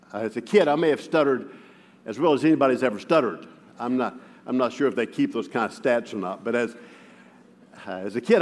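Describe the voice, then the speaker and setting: A man's voice: a little high, a little mellow. A man preaching as a guest, who stutters with frequent repeated words and tells stories with self-deprecating humor. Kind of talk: sermon with personal storytelling. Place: church sanctuary. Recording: long reverb of a large hall.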